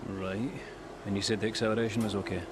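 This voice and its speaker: A man playing a brisk flat mechanic. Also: lowish voice, heavy background noise, close to an everyday voice.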